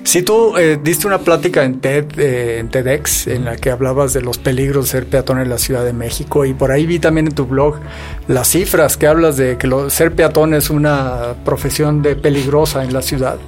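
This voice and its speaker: A man's voice: mid-range voice, steady tone, moderate pace, darkish tone, soft background music. A man, co-hosting a podcast in casual conversation, chatty with joking asides. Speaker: podcast co-host.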